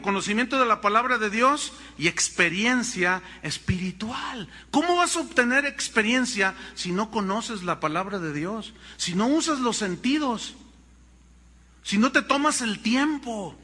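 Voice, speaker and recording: A pastor with a Mexican accent preaching a sermon, telling stories with animation and calling the congregation brothers. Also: male voice, sits high, expressive, measured pace, sharp tone, big-room sound.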